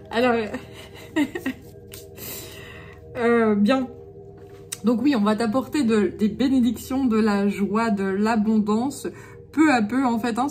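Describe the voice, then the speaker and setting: A woman with a Jura accent giving an unscripted channeled guidance reading, halting with many fillers and restarts and given to self-mocking humor. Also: fairly high pitch. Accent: Jura French. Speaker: spiritual channeler.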